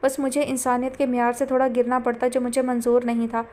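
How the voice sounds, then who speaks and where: Woman voicing fed-up young man, curt, dismissive, high. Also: flat delivery, a little mellow, close to an everyday voice. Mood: irritated. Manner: irritated, dismissive. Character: weary proud young man, landowner's son.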